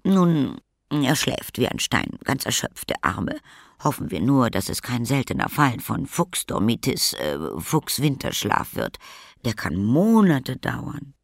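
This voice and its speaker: A man voicing a quirky little lady, eccentric and fond of treats, in a high, fluttering, fussy way. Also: sing-song, measured pace, vocal fry, no echo, clean studio sound, full character voice.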